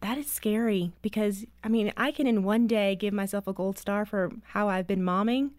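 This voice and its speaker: A woman in her thirties speaks as an interview guest, telling family stories with an earnest, heartfelt manner. Her voice sits at a middle pitch and sounds dry and close. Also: normal speed, no echo. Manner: earnest storytelling, emotional at times. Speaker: guest, author and mother. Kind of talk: interview conversation.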